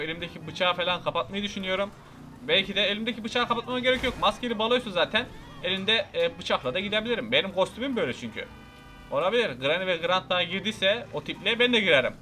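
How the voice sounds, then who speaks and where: A young man giving excited, playfully menacing commentary over his own gameplay, repeating lines and talking to his viewers. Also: a little high, slight background noise. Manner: loud, repetitive, playfully menacing banter. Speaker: gameplay video host.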